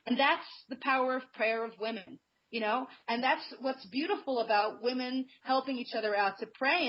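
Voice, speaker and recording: An earnest woman talking on a radio show, relaxed and conversational as she tells personal anecdotes. Her voice sits a little high for a woman. The sound is muffled and lo-fi, like an old broadcast. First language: not Hebrew. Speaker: guest. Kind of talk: radio interview, personal storytelling.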